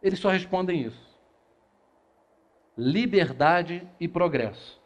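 A man's voice: high voice, lively intonation, takes it slowly. A middle-aged man from Brazil giving a spiritist lecture in a small meeting room, reading passages aloud and posing rhetorical questions that he answers himself. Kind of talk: lecture to a seated audience. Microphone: far camera, no handheld mic.

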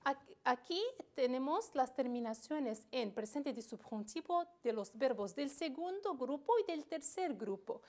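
A woman teaching a recorded grammar lesson, speaking slowly and deliberately with frequent hesitations. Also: high-pitched, expressive, darkish tone. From Morocco. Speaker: Spanish teacher.

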